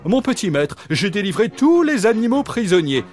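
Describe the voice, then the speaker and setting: A man's voice: sits high, sing-song, moderate pace, over music, pitched above the performer's own voice. A man doing Jean Waf, a bragging talking dog. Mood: proud. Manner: proud, chatty and grandly articulate. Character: boastful clever talking male pet dog.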